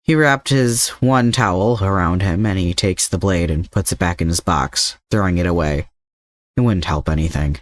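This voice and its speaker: A man's voice: low-pitched, moderate pace, no room sound, studio quality. A man narrating fan fiction as an amateur podfic reader.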